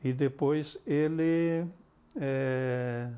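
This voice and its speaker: An older man with a southern Brazilian accent, recollecting in a measured, explanatory, conversational way as an interview guest. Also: mid-range voice, steady tone, dark tone, smooth. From Santa Catarina, southern Brazil. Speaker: interview guest, retired army colonel.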